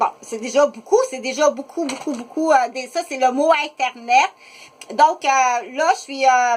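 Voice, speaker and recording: Her voice high and her pitch variation ordinary, a woman speaks with big swings in loudness. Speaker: vlogger. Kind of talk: rambling video monologue. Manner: fast; halting, many hesitations.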